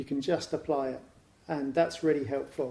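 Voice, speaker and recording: Dark and mellow in tone, a man speaks with an English accent. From England. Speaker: Buddhist teacher. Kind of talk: dharma talk.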